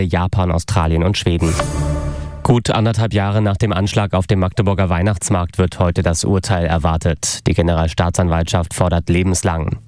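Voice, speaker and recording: A man reading the radio news in an even, measured way. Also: sits low, no echo, clean studio sound. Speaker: newsreader.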